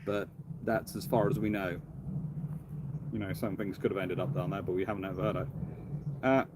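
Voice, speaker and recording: A man hosting a casual live question-and-answer stream, thinking aloud in a halting, rambling way. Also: sits low, fairly even intonation, background noise. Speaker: livestream host, naval historian. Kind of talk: casual live Q&A with off-the-cuff commentary.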